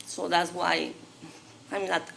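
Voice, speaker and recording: A woman giving public comment in halting English, often searching for words. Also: lowish voice, little pitch movement, gravelly, a bit bright, a little hiss or hum. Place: city council chamber.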